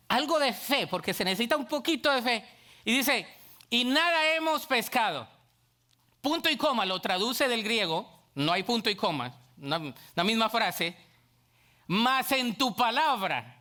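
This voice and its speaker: Pastor guy, high bright voice, really animated preaching, does little voices of church folks. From Colombia. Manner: lively preaching, acts out voices of church people. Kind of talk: sermon.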